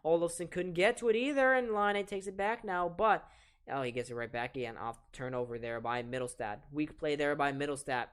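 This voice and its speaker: An eighteen-year-old man with a soft voice, casually calling live hockey play-by-play on a stream and chatting with viewers between plays. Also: a little high, a little fast, clear, resonant tone. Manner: chatty, reads chat aloud and talks to viewers between plays. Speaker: play-by-play commentator and stream host.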